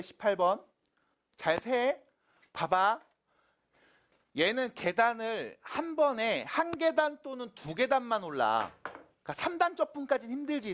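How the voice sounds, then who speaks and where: A man with a high-pitched, fairly bright voice explains exam math problems to students as a teacher. He's informal and often checks understanding with short questions, his articulation slightly slurred as if after dental work.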